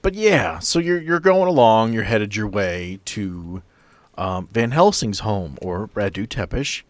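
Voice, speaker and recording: A man's voice: lowish voice, expressive, measured pace, no echo. A man narrating as game master on a tabletop roleplay podcast, talking conversationally and addressing his players directly.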